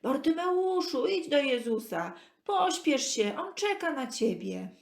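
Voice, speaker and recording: A woman's voice: high voice, big pitch swings, slow, gravelly, voice pushed up, full character voice. A woman voicing insistent, bossy passers-by from a crowd in a children's Bible story. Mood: urgent. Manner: scolding, insistent calling. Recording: echoey room.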